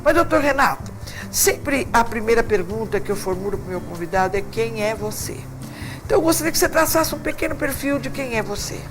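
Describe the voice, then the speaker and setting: A man's voice: very high-pitched, animated, fairly quick, low-quality recording. A man, hosting a TV studio interview in an effusive, complimentary, chatty way. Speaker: TV talk show host. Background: music.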